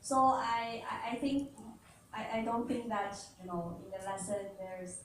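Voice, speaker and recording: A woman's voice: a little high, a little slow. Hesitant woman in an echoey hall. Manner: hesitant, searches for words. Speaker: company representative. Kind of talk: answering press questions. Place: large event hall. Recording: echoey hall, distant mic, ambient noise.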